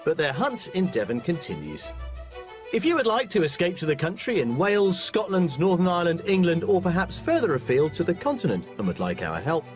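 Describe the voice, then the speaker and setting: A man presenting a TV property show, delivering scripted narration in an upbeat way. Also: fairly high pitch.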